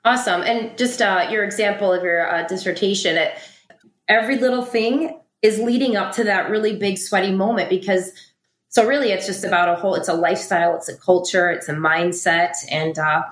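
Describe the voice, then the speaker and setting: A woman's voice: mid-range voice, brisk. A middle-aged woman, the guest and founder of an apparel brand, speaking earnestly and motivationally in a casual interview, with frequent fillers. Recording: roomy echo.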